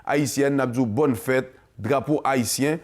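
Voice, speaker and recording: A man's voice: mid-range voice, takes it slowly. A man with a Haitian accent hosting a community show, talking passionately and mixing Creole into his French. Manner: passionate, switches between French and Creole, sings. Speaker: host. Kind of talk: casual monologue to camera.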